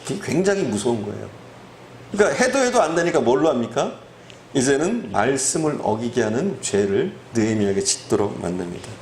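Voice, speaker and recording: A man's voice: mid-range voice, sing-song, brisk, a little mellow, reverberant, slight background noise. A man preaching a sermon as pastor, who acts out prayers and quotes and asks rising, emphatic questions.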